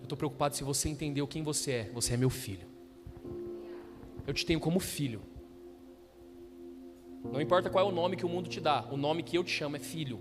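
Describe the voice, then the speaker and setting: High-voiced pastor preaching in a hall. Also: male voice, fairly quick, pauses often, over music. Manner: preaching with call-and-response questions to the congregation. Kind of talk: sermon. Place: church hall.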